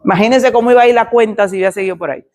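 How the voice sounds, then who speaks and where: A woman's voice: fairly high pitch, very fast, a little mellow. A middle-aged woman pastor preaching and telling a personal testimony, acting out the dialogue as she goes. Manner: dramatic storytelling, acts out quoted dialogue.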